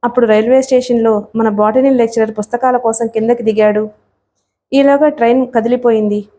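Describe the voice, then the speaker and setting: A lively young woman, chatty and curious, who recalls old times with a friend, as a woman reads her. The voice is mellow and sits slightly high. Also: brisk, lightly acted.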